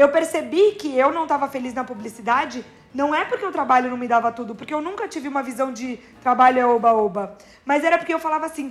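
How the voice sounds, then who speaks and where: A woman's high-pitched voice rushes along very fast. The intonation rises and falls in a lively way. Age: 30s. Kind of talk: interview.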